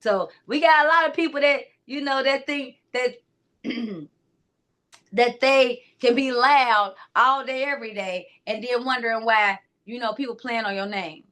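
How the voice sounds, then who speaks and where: A woman clarity coach with a naturally high-pitched, loud voice, speaking directly to her listeners in a casual, emphatic motivational talk full of asides. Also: a little slow.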